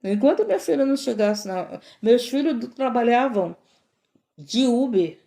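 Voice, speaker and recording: Middle-aged woman preacher, higher mellow voice, fervent repeated prayers. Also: animated, moderate pace, vocal fry. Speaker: missionary preacher. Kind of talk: sermon.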